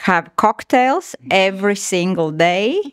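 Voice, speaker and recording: A woman's voice: mid-range voice, expressive, smooth, no room sound, studio quality. Laughing, chatty woman. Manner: laughing, chatty, loose halting phrasing. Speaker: guest. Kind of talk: casual podcast chat.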